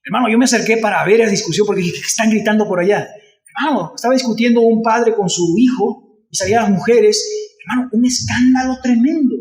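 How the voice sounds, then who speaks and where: A male pastor with a Venezuelan Spanish accent preaches fast in a high voice, questioning the congregation and acting out shouted voices in his anecdotes. The church recording is echoey and distant.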